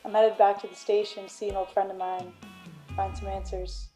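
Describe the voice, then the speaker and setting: A woman playing a hard-boiled, self-important private detective who narrates a noir radio drama in a brooding, deadpan manner. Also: mid-range voice, brisk, faint music behind, natural voice, low-quality recording. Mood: brooding, self-assured.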